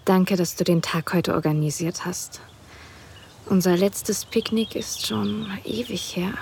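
A woman playing a teasing, gravelly-voiced wife. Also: fairly low pitch, a little slow, a little hiss or hum. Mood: playful. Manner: teasing, relaxed, half-whispered. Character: playful, teasing married woman. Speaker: wife in an erotic audio drama. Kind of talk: intimate audio drama.

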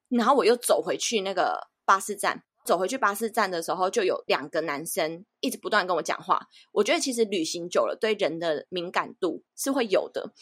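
A woman in her thirties with a Taiwanese Mandarin accent, a podcast guest telling travel stories in a lively, animated way. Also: mid-range voice, dry recording, studio quality. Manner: animated anecdote-telling, acts out the people she quotes. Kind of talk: casual storytelling interview.

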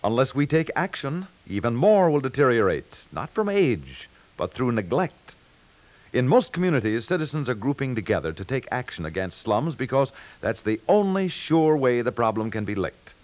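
A man with an American accent reading scripted 1950s radio announcements in a formal, emphatic, measured way. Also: mid-range voice, very animated, no room sound. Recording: muffled 1950s radio broadcast.

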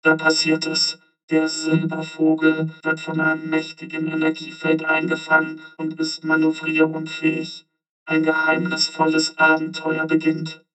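A man reading a scripted audio drama trailer in a measured, steady way. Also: on the high side, low-quality recording. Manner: measured and steady, with a flat delivery. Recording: narration over synth music.

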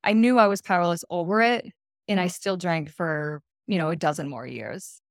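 A woman's voice: on the low side, normal speed, no room sound, studio quality. A woman in her thirties, a podcast guest, telling her recovery story in an earnest, reflective way. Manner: earnest, reflective, speaks in short plain sentences. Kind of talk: candid personal recovery story.

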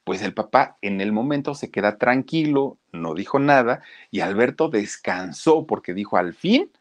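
Lively Mexican male storyteller. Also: fairly low pitch, moderate pace. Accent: Mexican Spanish. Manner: lively, animated, addresses listeners directly. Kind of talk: anecdotal storytelling to an audience.

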